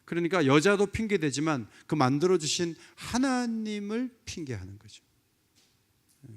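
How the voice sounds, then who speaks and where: Pastor over 50, man, fairly high voice, animated emphatic church sermon. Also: moderate pace. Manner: emphatic, swinging from soft asides to loud rising exhortation. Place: church sanctuary.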